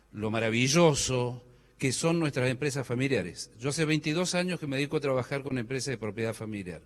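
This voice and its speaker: Joking Cordoban man on stage. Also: medium pitch. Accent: Argentine Spanish, Córdoba. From Córdoba, Argentina. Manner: joking, quizzes the audience with questions. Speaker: speaker at a business conference. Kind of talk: conference talk to a live audience. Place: large hall. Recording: hall reverb.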